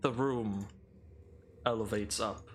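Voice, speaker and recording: A man running a tabletop game as game master, narrating scenes in a measured, descriptive way. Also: on the low side, steady tone, noisy background.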